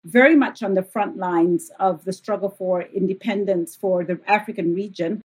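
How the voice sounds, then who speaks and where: A woman's voice: mid-range voice, moderate pace, slightly rough. A woman in her fifties from Zambia, a guest economist talking thoughtfully in an interview, with frequent fillers. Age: 50s. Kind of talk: interview conversation.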